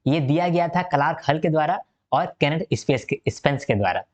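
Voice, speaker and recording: A man's voice: a little high, animated, a little fast. A male teacher giving a recorded exam-prep lecture. He explains step by step, repeats key points and keeps checking that listeners follow.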